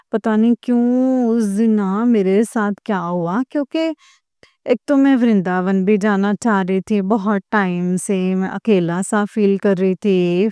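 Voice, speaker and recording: A woman's voice: mid-range voice, warm tone, clear, resonant tone, no room sound. A young woman earnestly retelling a personal devotional experience to fellow believers, full of emotion and quoted back-and-forth. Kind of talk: heartfelt personal testimony.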